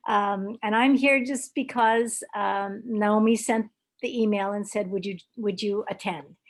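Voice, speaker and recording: Halting older woman from Hawaii. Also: medium pitch, fairly even intonation. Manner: halting, many ums and restarts. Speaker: club member at a video meeting. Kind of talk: hesitant casual remarks.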